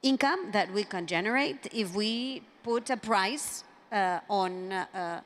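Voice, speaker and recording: A woman speaking on a conference panel, measured, with frequent fillers and restarts. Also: medium pitch. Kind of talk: panel discussion remarks. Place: conference hall.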